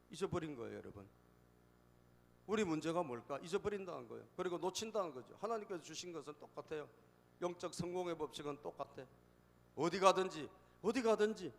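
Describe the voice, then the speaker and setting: A male pastor preaching a sermon, telling jokes and repeatedly prompting the congregation for responses, stressing key phrases by repeating them. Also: fairly high pitch. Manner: emphatic repetition of key phrases. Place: church sanctuary. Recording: long church hall reverb.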